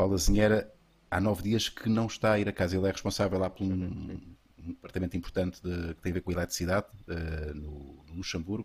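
Speaking at a fairly quick pace, this man has a very deep, low pitch, a somewhat breathy quality, and fairly even intonation. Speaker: podcast host. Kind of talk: casual chat.

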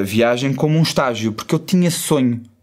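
A man with an unremarkable speaking voice talks at a moderate pace and medium pitch, his intonation lively. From northern Portugal, Porto. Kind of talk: casual interview.

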